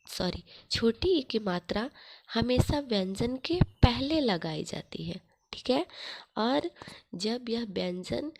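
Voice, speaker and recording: A woman's voice: mid-range voice, creaky. A woman teacher explaining a grade-one grammar lesson to children, patiently repeating and checking they follow.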